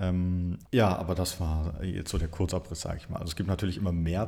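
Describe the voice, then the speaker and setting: His voice is very deep and low, with a dark, mellow tone. The man speaks at a moderate pace. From western Germany, Bonn area. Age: 20s. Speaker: podcast co-host. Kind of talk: casual chat.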